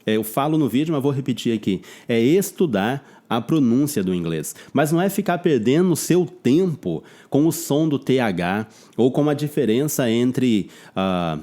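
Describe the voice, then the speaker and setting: A man's voice: mid-range voice, dark tone. Chatty Brazilian man teaching English. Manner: chatty, loose, drawn-out English examples. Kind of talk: casual video lesson.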